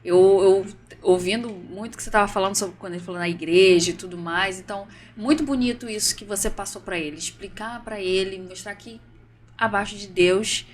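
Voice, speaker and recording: A woman's voice: mid-range voice, brisk. A woman hosting an interview. She encourages her guest and answers with short affirmations. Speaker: interview host.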